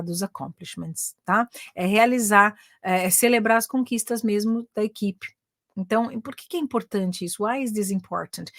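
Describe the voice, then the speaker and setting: A woman's voice: medium pitch, no echo. A Brazilian woman, native in Portuguese, teaches English in a live online class with a mid-range voice. She switches back and forth between Portuguese and English and keeps adding chatty asides. The sound is dry and close to the mic.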